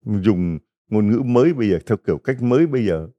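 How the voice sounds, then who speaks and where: A man's voice: lowish voice, lively intonation, brisk, dark tone, lo-fi sound. A middle-aged man, a Catholic priest, giving a folksy retreat homily full of stories and rhetorical questions to the congregation.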